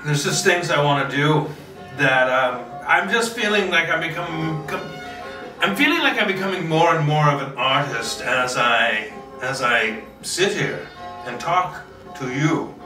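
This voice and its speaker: A man's voice: fairly high pitch, lively intonation, a little slow. A man hosting a solo video, rambling casually in a theatrical, self-mocking, sweary way. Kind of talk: rambling casual monologue to camera. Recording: roomy echo, distant mic, faint music.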